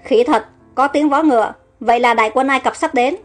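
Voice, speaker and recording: Cold, scornful princess with a high, commanding voice, read by a woman storyteller. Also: fairly quick, soft background music, natural voice. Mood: urgent. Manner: harsh, contemptuous.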